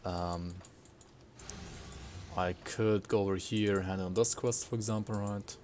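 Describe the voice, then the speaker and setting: A man's voice: lowish voice, fairly even intonation, measured pace, a little mellow, slight background noise. A man who spent part of his childhood in Sweden gives casual game commentary as a streamer. He rambles loosely, ends thoughts with a tag question and chats with viewers as he plays. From partly raised in Sweden. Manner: chats with viewers while playing.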